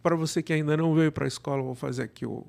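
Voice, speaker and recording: A middle-aged Brazilian man with a fairly high voice talks as a podcast guest. He rambles in a casual, conversational way and often tags his thoughts with small check-in questions. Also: fairly even intonation, rapid-fire, gravelly, darkish tone.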